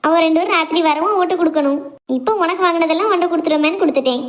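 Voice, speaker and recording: A woman's voice: extremely high pitch, rapid-fire. A woman playing a devoted young adult daughter who coaxes and teases her mother. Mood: earnest. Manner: earnest, coaxing, playful. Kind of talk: family drama skit.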